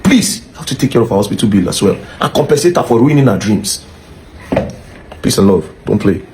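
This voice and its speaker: A man's voice: lowish voice, lively intonation, a little fast, noisy background. A man with a Nigerian accent delivering an impassioned rant, firing off indignant rhetorical questions. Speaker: social commentator.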